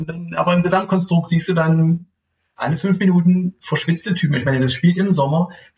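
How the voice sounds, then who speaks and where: Talking at a fairly quick pace, a man uses a high pitch with fairly even intonation. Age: 30s. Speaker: podcast guest, film fan. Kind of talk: casual chat. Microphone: built-in laptop mic, poor sound quality.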